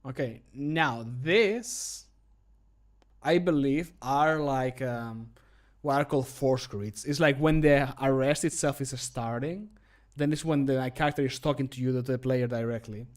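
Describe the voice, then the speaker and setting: A man in his thirties talks casually to a livestream from a small room at home. His voice sits at a middle pitch, and he rambles loosely from one thought to the next. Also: a little slow. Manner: rambling, easily sidetracked, chuckles often. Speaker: livestreamer and mod maker. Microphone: microphone at a desk, streaming.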